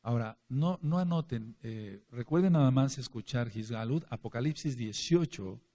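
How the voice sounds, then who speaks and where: Guy preaching, emphatic, gets loud then drops quiet, reads scripture, asks for amens. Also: mid-range voice, moderate pace. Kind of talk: conspiracy-themed sermon with scripture reading.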